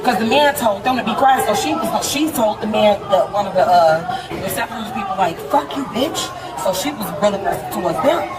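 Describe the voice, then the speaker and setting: A woman's voice: mid-range voice, expressive, fairly quick, hardly any pauses. A woman giving an agitated, rambling account of an argument to the police. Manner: rambling, emotional explanation. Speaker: person involved in a dispute. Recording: distant, noisy recording in a crowded hall. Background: loud crowd.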